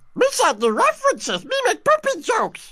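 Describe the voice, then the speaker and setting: A put-on character voice. The pace is fairly quick. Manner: goofy, childish.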